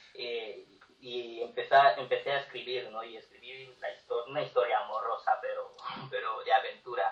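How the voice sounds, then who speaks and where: His loudness rises and falls sharply. The man keeps a moderate pace. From Equatorial Guinea, Malabo. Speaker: writer. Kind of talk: interview. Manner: halting, repeats words.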